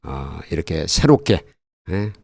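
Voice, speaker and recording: An older man speaking as an interview guest, explaining things earnestly and at length in a halting way. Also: rumbling low, very animated, vocal fry, darkish tone, no room sound, clean studio sound. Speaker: guest, retired army colonel and military history author.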